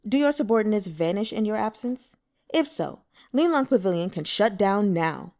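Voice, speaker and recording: A woman's voice: mid-range voice, lively intonation, normal speed, a little mellow, close to an everyday voice. A woman voicing a cool, imperious male investigator in an audiobook, giving curt and scornful orders. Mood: cool command.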